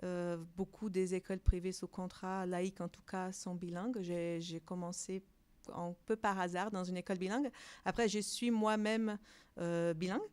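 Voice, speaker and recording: A woman who directs a bilingual preschool answers interview questions, pausing often with fillers and restarts. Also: fairly low pitch, fairly even intonation, darkish tone, clear, resonant tone. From outside Europe. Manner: hesitant, many fillers and restarts.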